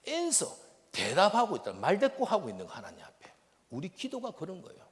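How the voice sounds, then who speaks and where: A man with a Gyeongsang accent preaching a sermon as a missionary, shifting from loud bursts to hushed whispers. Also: sits high, huge pitch swings, a little fast. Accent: Gyeongsang Korean. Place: church sanctuary. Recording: long reverb of a church hall.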